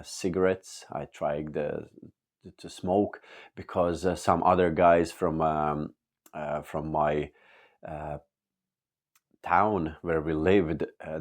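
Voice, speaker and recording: Guy with a really low voice telling his church testimony, lots of uh and um, sincere. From Latvia. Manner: halting, with many uh and um pauses; earnest and open. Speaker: church member giving testimony. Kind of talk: personal testimony.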